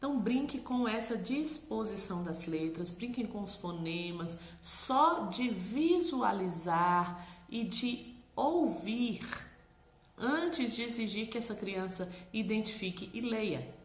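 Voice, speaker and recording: Animated Brazilian woman teaching reading. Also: mid-range voice, takes it slowly, echoey room. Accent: Brazilian Portuguese. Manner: animated, encouraging, checks in with "tá bom?". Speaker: literacy teacher. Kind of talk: instructional talk to parents.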